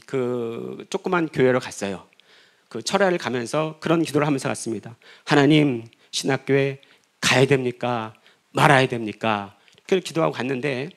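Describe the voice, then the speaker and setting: A man's voice: a little high, vocal fry. A middle-aged man, a pastor, preaching a sermon and telling his own story with rhetorical questions and acted-out dialogue. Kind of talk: sermon testimony. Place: church sanctuary.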